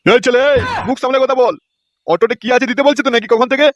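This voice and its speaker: A man's voice: extremely high pitch, quick pace, no room sound, clean studio sound. A man playing a suspicious, bullying older householder in a comedy cartoon, scolding indignantly. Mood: impatient, bossy.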